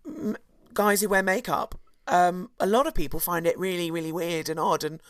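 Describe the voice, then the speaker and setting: A hoarse woman, co-hosting a podcast and chattily telling a history story, with asides and restarts. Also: on the low side, moderate pace, no echo. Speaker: podcast co-host. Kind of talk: casual chat, storytelling history.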